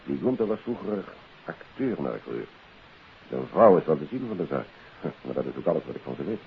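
An actor playing a businesslike, deliberate police investigator in a 1950s radio detective drama. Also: male voice, a bass voice, sing-song, vocal fry, exaggerated voice. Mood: confiding. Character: matter-of-fact male police investigator reporting on a case. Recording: hissy, tinny 1950s radio recording.

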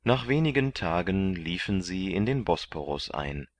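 A man reading a classic novel aloud as narrator, in a measured, even way. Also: sits low. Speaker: audiobook narrator.

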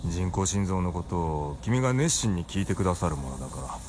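落ち着いて内省的に語る生理学者を演じる男性俳優。ラジオドラマの芝居。. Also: male voice, deep voice, very animated, brisk, noisy background. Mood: reflective. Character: calm older male physiologist, wistful. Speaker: scientist in the story. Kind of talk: radio drama acting.

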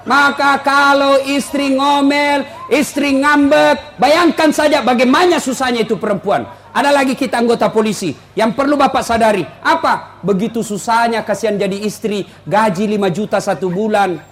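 A man's voice: high-pitched, brisk, few pauses. A man preaching a humorous sermon to a live audience, joking and teasing listeners with questions.

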